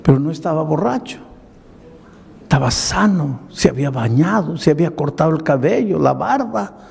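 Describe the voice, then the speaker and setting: An older man preaching as a pastor, slow and dramatic, acting out the dialogue of the stories he tells. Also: fairly high pitch, expressive, gravelly, a little mellow, breathy edge. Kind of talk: storytelling sermon. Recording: echoey large hall.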